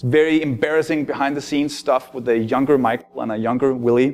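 This man speaks at a moderate pace. His delivery moves along evenly. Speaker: conference speaker. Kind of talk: conference talk. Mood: humorous storytelling. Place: hall. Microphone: lapel.

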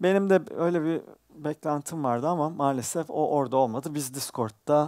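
A man's dark, mellow voice at a moderate pace against a quiet background. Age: 40s. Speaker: director and photographer; guest. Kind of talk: panel talk. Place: hall. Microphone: headset.

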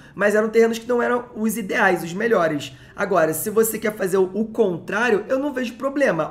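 An animated man's voice, high in pitch, with ordinary pitch variation and noticeable background noise. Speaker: gaming channel host. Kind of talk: casual livestream banter. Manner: animated, jokey.

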